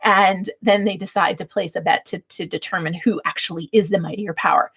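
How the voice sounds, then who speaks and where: A middle-aged woman with a slightly husky voice, hosting a casual livestream and teaching in a chatty, light-hearted way. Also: on the low side, fairly even intonation, a little fast, a bit bright. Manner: chatty, laughs readily as she talks. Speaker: livestream host giving book-writing tips. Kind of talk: casual livestream teaching talk with chat replies.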